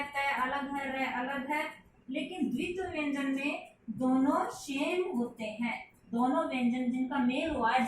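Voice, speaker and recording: High-voiced woman teaching in an echoey room. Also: a bit bright. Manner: patient, repeats points, calls listeners child. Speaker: Hindi teacher. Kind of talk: classroom lesson explaining to children. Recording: very echoey room, mic at a distance, faint hiss.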